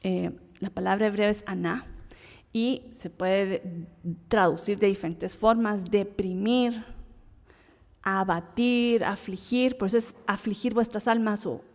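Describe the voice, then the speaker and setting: A woman's voice: medium pitch, measured pace, a little mellow, long reverb tail. A woman from Guatemala with a Guatemalan Spanish accent, teaching a Bible lesson in a conversational way, asking and answering her own questions.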